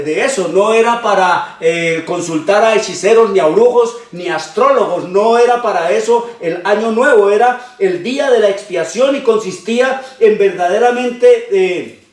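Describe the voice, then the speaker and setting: A man preaching a sermon in long repeated lists, often pausing with "eh". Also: high voice. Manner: frequent hesitations with "eh". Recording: roomy, distant from the mic.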